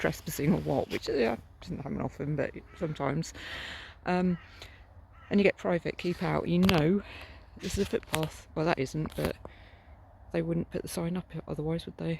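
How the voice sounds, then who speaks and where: Speaking with a southern English accent, the voice moves at a fairly quick pace but includes long, frequent pauses. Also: woman. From southern England. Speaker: vlogger. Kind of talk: casual walking vlog monologue. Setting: outdoors on a countryside walk. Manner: hesitant, many fillers.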